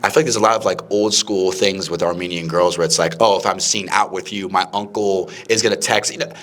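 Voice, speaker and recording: A young man hosting a casual podcast chat, animated and acting out the people he talks about. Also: deep voice, brisk. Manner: animated, acts out quoted people in raised voices. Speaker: podcast host.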